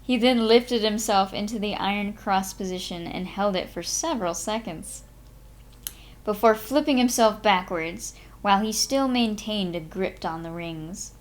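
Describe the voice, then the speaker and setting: A woman with a mid-pitched voice reads a memoir aloud in an unhurried way. Her delivery is informal storytelling, like a streamer narrating live, open to little asides. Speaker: streamer reading a book aloud.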